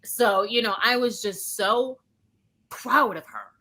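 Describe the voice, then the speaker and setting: A woman's voice: on the high side, takes it slowly, pushed and bright, low-quality recording. A woman chatting casually and effusively about books, rambling and peppering her talk with "like". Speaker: book discussion panelist. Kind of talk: casual chat, gushing about a novel.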